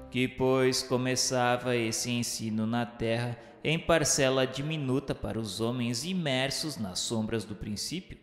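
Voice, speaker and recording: In a long, echoing reverb with music behind, a man voices a solemn male memoirist of the afterlife. His delivery is reverent and grandly oratorical, in the literary manner of a radio novel. The voice sits at a medium pitch. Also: lightly acted. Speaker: narrator of a spiritist radio novel. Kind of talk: dramatic scripted literary narration. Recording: very reverberant hall sound with music.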